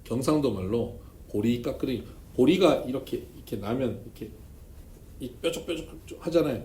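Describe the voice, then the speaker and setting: Animated pastor with a dark, roomy voice. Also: male voice, mid-range voice, normal speed. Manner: storytelling with humor, emphatic swings in loudness. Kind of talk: seminar sermon. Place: church. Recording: echoey church room, faint noise.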